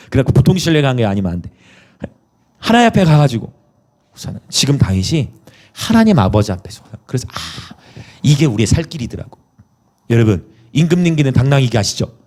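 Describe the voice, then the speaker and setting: Impassioned Korean male pastor preaching. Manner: impassioned, swings from hushed whispers to high cries; acts out prayers in a pleading voice. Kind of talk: sermon.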